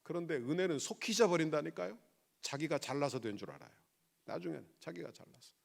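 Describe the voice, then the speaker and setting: A man's voice: fairly high pitch, very animated, fast talker, creaky. A male pastor preaching a sermon, asking the congregation questions and rising to emphatic exclamations.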